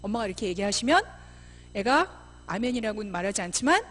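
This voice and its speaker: A middle-aged woman missionary giving a church seminar talk, lively, often acting out mothers and children in quoted voices. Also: medium pitch, brisk. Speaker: missionary speaker. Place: church sanctuary.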